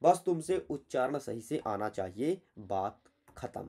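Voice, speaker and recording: A man's voice: mid-range voice, very animated, unhurried, darkish tone, husky. A man teaching through an exam paper, blunt and chatty, scolding students as he goes. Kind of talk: exam paper walkthrough lesson.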